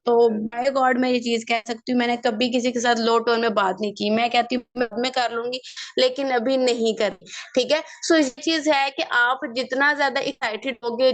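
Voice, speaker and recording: A young woman, running an online sales training over a video call, lively and coaxing, mixing in English phrases. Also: high-pitched. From Pakistan. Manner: lively and coaxing, mixes in English phrases, keeps asking "theek hai".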